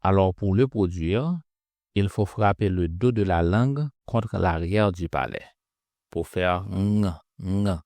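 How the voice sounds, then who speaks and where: A man teaching pronunciation in a slow instructional lesson, drilling sounds by repeating syllables. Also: low-pitched, lively intonation, darkish tone, dry recording.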